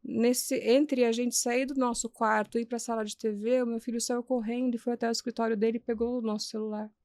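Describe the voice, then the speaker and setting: Earnest woman recounting events, slightly high. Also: level tone, darkish tone, no room sound. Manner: earnest, recounts events step by step with reported speech; frequent restarts and halting repetitions. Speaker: interview guest. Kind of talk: personal storytelling in a podcast interview.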